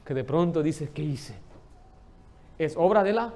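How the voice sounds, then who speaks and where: A man, preaching a lively sermon in a church and telling stories with humor. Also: fairly high pitch, a little fast. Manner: lively storytelling, joking with the congregation. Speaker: pastor.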